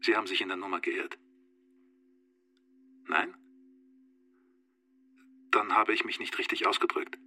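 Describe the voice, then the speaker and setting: An actor playing a calm, cold, evasive man in a radio drama, speaking in a curt, controlled, matter-of-fact way. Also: lowish voice, measured pace, pauses often, full character voice.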